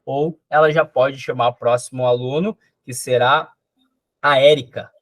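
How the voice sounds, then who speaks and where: A man's voice: medium pitch, fairly even intonation, normal speed, fairly bright tone, dry recording. A man with a Brazilian Portuguese accent hosting a course. He speaks informally and often checks in with "tá bom?". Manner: friendly and informal, with frequent "tá bom?". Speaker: course host. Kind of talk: casual wrap-up remarks.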